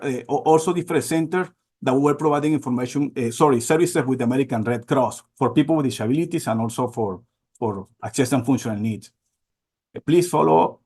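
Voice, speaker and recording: Guy presenting on a webinar call, kinda high voice, lots of uh uh and repeats. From Venezuela. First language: Spanish. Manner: halting, many repeats and fillers.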